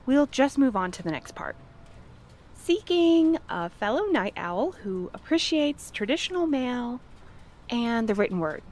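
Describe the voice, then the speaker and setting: A woman's voice: fairly high pitch, very animated, unhurried, darkish tone. A woman playing a prim, well-meaning courier in an audio drama, speaking in an earnest, careful, businesslike manner. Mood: businesslike, flustered. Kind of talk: naturalistic audio drama acting.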